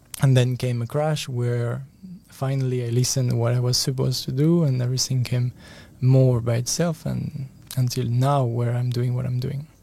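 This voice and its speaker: With a French accent, a man speaks at a medium pitch and moderate pace in a monotone, flat way. His tone is dark and mellow, and somewhat breathy. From France. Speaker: energy healer and bodyworker. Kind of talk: podcast interview. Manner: soft.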